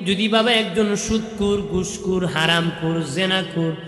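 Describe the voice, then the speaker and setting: High chanting preacher over echoing speakers. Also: male voice, unhurried, faint music behind. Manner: swings from soft talk to high chanted calls. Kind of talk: Bengali waz sermon, chanting. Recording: echoey long reverb through PA.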